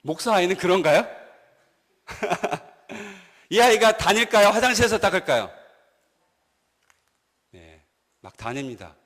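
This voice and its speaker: Korean pastor preaching in a reverberant church. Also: male voice, high-pitched, a little slow, long pauses. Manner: animated storytelling, asks the congregation questions. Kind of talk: sermon. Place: church sanctuary.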